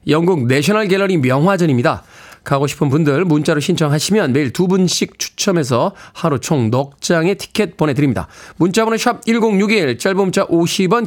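A middle-aged man hosting a radio show, chatting and reading out listener messages and announcements from a studio microphone. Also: high voice. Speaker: radio host.

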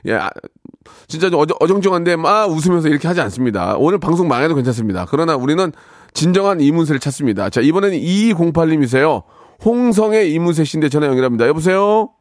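A male radio host running a call-in segment, teasing callers with quick deadpan verdicts. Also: fairly high pitch, no room sound, clean studio sound. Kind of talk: lively radio call-in banter. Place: radio studio. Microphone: studio microphone.

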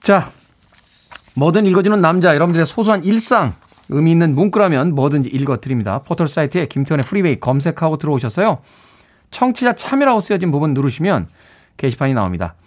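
A male radio host chats in a friendly way from a studio and reads out messages from listeners. He talks fast in a voice on the high side with big pitch swings.

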